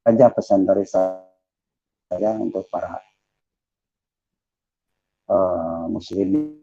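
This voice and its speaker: Deep-voiced man on a breaking-up line. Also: fairly even intonation, extremely slow, vocal fry, over music. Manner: earnest preaching, quoting scripture. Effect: phone line breaking up, signal dropping out. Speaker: religious guest on a call. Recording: lo-fi call audio that keeps cutting out.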